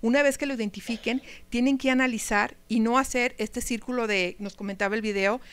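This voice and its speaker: A woman's voice: fairly high pitch, steady tone, fairly quick, clean tone. A woman giving a live lecture to teachers, talking conversationally and asking the audience questions. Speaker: speaker at a teacher training talk.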